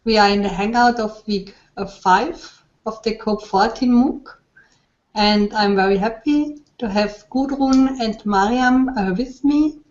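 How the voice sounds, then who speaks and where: A woman hosting an interview in an online hangout, speaking haltingly over a muffled web call. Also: on the high side, darkish tone. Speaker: host, interviewer. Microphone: online video call.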